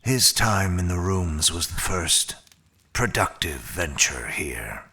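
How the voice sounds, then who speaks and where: A very gravelly, deep immortal attendant. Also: male voice, very animated, pushed and bright, heavily acted. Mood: formal, measured. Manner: measured, curt, formal. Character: immortal male attendant, coldly formal, blunt and unhelpful. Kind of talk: audio drama acting.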